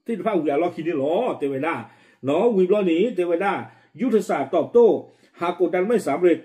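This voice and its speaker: A man presenting and commenting on the news in a rapid, informal way, with many fillers. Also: sits high, expressive, dark tone. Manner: quick, running commentary with frequent fillers.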